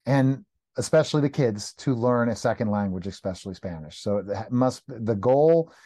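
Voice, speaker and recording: Man, talk show host, mellow warm voice, encouraging, leading questions. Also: medium pitch, animated, moderate pace. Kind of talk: interview hosting.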